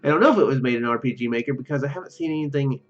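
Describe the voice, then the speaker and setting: A man giving casual, halting commentary as he plays through a game, musing aloud. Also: medium pitch, highs cut off, soft background music. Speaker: gaming video host.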